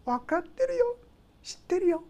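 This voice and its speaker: A woman voicing a gentle, forgiving God. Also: high-pitched, lively intonation, moderate pace. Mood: tender reassurance.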